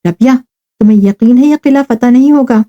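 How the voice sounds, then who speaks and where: A woman's voice: a little high, dark tone, highs cut off, close to an everyday voice. A woman voicing Angela, a playful young noblewoman who teases her friend. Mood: confiding. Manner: teasing, confiding.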